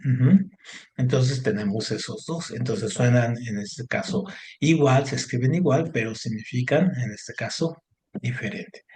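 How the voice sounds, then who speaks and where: A man's voice: medium pitch, a little slow, darkish tone. Man teaching a lesson. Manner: explanatory, frequent tag questions and fillers. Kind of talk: online class lesson.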